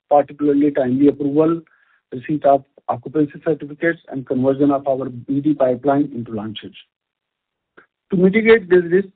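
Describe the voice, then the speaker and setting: A man with an Indian accent reads a scripted corporate earnings presentation as a company executive, formal and measured, over a conference call line. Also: fairly high pitch, slightly rough. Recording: muffled band-limited conference call audio.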